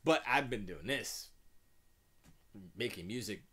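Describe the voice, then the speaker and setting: Deep-voiced man rambling casually. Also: animated, takes it slowly, pushed and bright, slightly rough. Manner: rambling, self-deprecating, with restarts and asides. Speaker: music producer streaming live. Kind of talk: casual live-stream chat. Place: home music studio.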